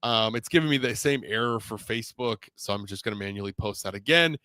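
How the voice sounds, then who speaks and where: A man's voice: on the low side, a little fast, sharp tone, no echo, clean studio sound. A man hosting a live football talk stream, chatting casually and rambling as he greets viewers by name. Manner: chatty and rambling, reads viewer names aloud. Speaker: host of a live sports show.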